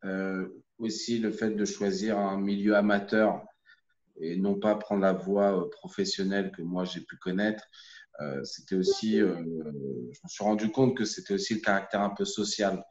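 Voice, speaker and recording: A man from the Paris region, an amateur basketball coach, thinks aloud in a hesitant, reflective way, full of pauses and fillers. His voice sits low. The call audio is roomy and muffled. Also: fairly even intonation, darkish tone. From Paris region, France.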